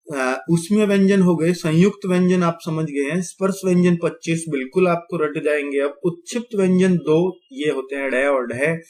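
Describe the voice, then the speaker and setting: A man's voice: high-pitched, a little mellow. A man teaching grammar, explaining step by step, checking in with his viewers often and saying sounds aloud to demonstrate them. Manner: explains step by step, repeating "theek hai" and addressing viewers as friends; demonstrates sounds aloud while pointing at written letters. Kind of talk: classroom-style explanation to viewers.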